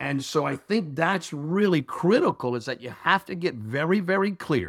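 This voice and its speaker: A man with an American accent talks in a normal speaking voice at a fairly high pitch, with ordinary pitch variation. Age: 50s. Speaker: business consultant. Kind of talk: interview. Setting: video call.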